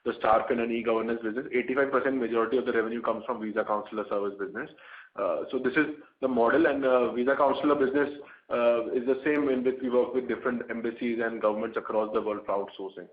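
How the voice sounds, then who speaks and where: A man's voice: mid-range voice, steady tone, fast. A man with an Indian accent answering as a company executive on an earnings call in a businesslike way. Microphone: conference call phone. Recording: echoey narrowband phone line.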